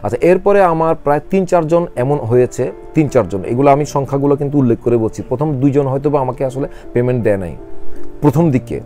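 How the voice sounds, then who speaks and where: Middle-aged male actor guest, quick and mellow, plain-spoken. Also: medium pitch, soft background music. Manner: reflective, matter-of-fact. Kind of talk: interview conversation.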